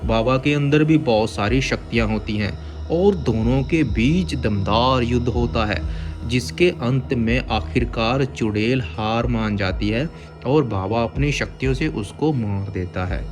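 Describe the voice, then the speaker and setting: Slow-paced man narrating a story. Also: medium pitch, music in the background.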